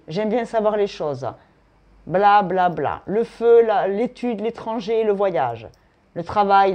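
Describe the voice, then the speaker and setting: A woman from France gives a casual tarot and astrology reading, chatting and thinking aloud while often adding the tag "hein". Her voice is medium-pitched and a little mellow.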